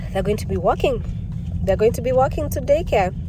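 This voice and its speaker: Clear music plays behind a woman's voice. The sound is dry, with no echo. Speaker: vlogger. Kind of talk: casual vlog chat. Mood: excited, upbeat. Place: car. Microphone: phone near.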